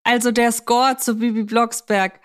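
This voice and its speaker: A woman's voice: fairly high pitch, little pitch movement, unhurried. A woman hosting a conversational film podcast, speaking in an articulate, wordy and analytical way. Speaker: podcast host.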